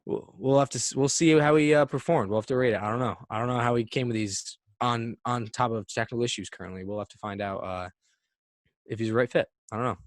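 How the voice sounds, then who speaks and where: A man's voice: mid-range voice, quick pace, no room sound, clean studio sound. A man hosting a casual podcast, joking around and swearing as he rambles. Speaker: podcast host.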